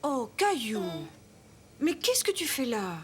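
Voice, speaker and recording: A woman voicing a gentle, patient young mother in a children's cartoon, speaking in a soothing, instructive way. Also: high-pitched, very animated, slow, a little hiss or hum, exaggerated voice. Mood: surprised, patient.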